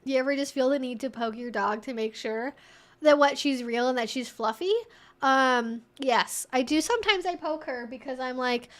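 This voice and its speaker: A woman's voice: sits high, moderate pace. A woman hosting a livestream, chattily and informally reading and answering viewer comments.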